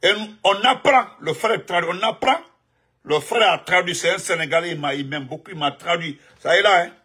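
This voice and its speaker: A man talks in a husky, tense voice that sits a little high. He rambles through live political commentary, repeating his points with emphasis and greeting his viewers by name along the way. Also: a little fast, pushed and bright. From Guinea. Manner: emphatic, repetitive, jumps between topics and greetings.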